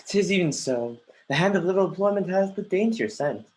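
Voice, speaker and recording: A woman's voice: fairly low pitch, expressive, a little fast, darkish tone, a little hiss or hum, lightly acted. A woman playing a brooding, witty young prince, musing in sardonic questions in a Shakespeare reading.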